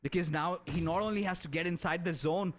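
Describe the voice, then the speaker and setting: A man giving excited play-by-play esports commentary as a caster, with dramatic, emphatic delivery. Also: a little high, fairly quick. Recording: clear background noise, game gunfire. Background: video game gunfire.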